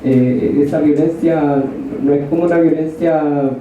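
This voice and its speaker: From the audience of a panel in a large lecture hall, a man from northern Chile comments hesitantly in a Chilean accent, full of fillers and restarts. His voice is fairly high and fairly even, measured in pace, with slight hiss or hum, and the recording is distant, echoey and thin like a phone.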